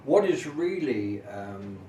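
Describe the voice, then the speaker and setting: Unhurried man, echoey distant recording. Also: medium pitch, very animated, warm tone. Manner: measured, formal, detailed phrasing with hesitant pauses. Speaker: local history presenter. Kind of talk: informal explanatory talk at an exhibition display. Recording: echoey, noisy room, distant camera microphone.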